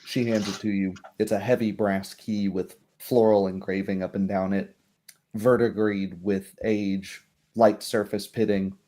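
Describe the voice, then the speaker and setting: Low-pitched, halting male game master. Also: little pitch movement, mellow. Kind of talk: narrating a tabletop game.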